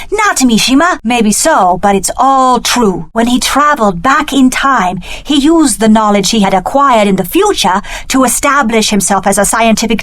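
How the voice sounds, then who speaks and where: Determined young heroine, high-pitched woman voice acting. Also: no room sound, lightly acted. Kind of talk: scripted video game character dialogue.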